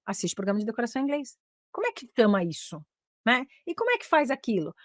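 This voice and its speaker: A Brazilian woman coaching English communication, chatting in a lively teaching manner and often switching into English with a Brazilian accent. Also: a little high, fast talker, dry recording, studio quality. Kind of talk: casual teaching talk.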